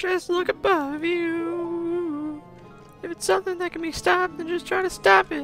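A man's put-on character voice at an extremely high pitch, with clear music in the background. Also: moderate pace. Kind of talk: comic overacting of game text. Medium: game stream. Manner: shouting, taunting, mocking.

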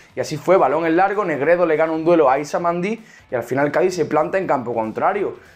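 With faint music playing in the background, the speaker talks at a fairly quick pace with ordinary pitch variation. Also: man. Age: young (just turned 18). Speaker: football analyst youtuber. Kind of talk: match analysis monologue. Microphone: lapel.

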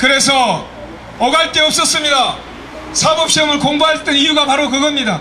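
A man speaks in a raised, projected voice at an extremely high pitch, with fairly even intonation. Background noise is noticeable. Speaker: election candidate and lawyer; election candidate. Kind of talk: campaign stump speech. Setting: outdoor market rally with crowd. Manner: loud, rousing. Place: street. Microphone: pa.

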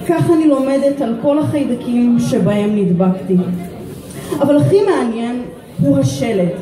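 With crowd noise in the background and audible room echo, a woman speaks in an intense, dramatic tone at a very slow pace, her pitch swinging very widely. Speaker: spoken word poet. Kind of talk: spoken word poetry. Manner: intense, dramatic, deliberate delivery; confessional, raw, building to defiant close. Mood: dark, intimate, confessional. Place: bar. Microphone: camera far.

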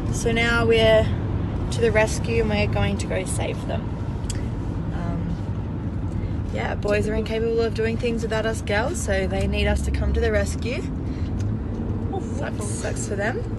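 Amid loud background noise, a woman speaks at a fairly slow pace with long, frequent pauses. The sound is dry with no echo. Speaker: vlogger. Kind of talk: casual vlog chat. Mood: amused, joking. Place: car. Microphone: phone near.

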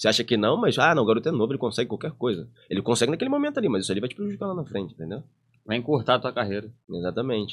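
Speaking very fast at medium pitch, a man sweeps through very wide pitch swings. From Rio de Janeiro, Brazil (Duque de Caxias); Rio de Janeiro, Brazil. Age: 30s. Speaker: former footballer turned investment advisor; guest. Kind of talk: casual interview. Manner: hesitant, frequent fillers and repetitions. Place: studio. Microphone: studio mic.

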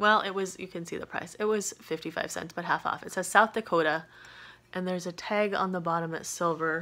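With an American accent, a woman talks at a fairly quick pace in a bright, sharp tone and fairly even intonation. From Oregon, US (Portland area). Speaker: online reseller and video blogger; reseller vlogger. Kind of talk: casual unboxing vlog. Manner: rambling, chatty with fillers. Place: home room. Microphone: phone near.

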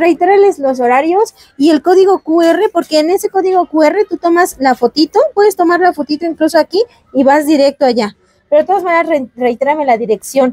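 Recorded dry and close with no echo, a woman speaks at an extremely high pitch in a dark, mellow tone, at a fairly quick pace with lively intonation and very even loudness. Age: 40s. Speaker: shopping vlogger. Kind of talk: casual vlog with vendor interview.

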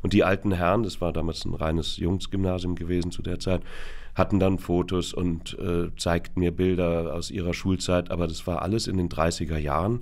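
At a moderate pace, a man speaks with a very deep, low pitch and fairly even intonation over a quiet background. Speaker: journalist and documentary filmmaker; journalist. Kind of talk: interview conversation. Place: studio. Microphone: studio mic.

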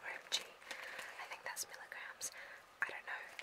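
At a moderate pace, a woman speaks in a whisper. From Australia. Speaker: ASMR creator. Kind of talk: ASMR whispered ingredient reading. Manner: whispered.

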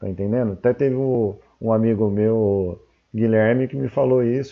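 The background is quiet. A man speaks with a Brazilian accent. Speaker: YouTuber on transport business. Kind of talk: casual vlog talk to camera. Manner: animated. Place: home room. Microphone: earbuds.

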